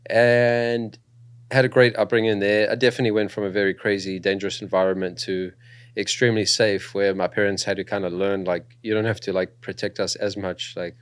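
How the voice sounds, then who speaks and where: Young south african guy, really low voice, chats loose with lots of um and uh. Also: brisk, smooth, no echo. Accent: South African with New Zealand influence. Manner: relaxed storytelling with frequent fillers. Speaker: guest. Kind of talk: casual podcast interview.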